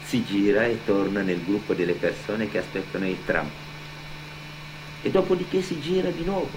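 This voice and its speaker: Deep-voiced Senegalese man over a loud hum. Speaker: actor and cultural mediator. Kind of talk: first-person testimony told on stage in radio theatre. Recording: loud mains hum and noise.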